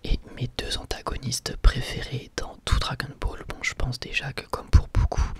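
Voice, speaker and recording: This is an ASMR host, a man, whispering quietly and tentatively while he takes questions from his audience, stopping frequently between thoughts.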